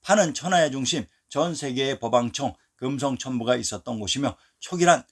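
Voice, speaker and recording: A man narrating a scripted history lesson in a measured, declarative way. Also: medium pitch, lively intonation.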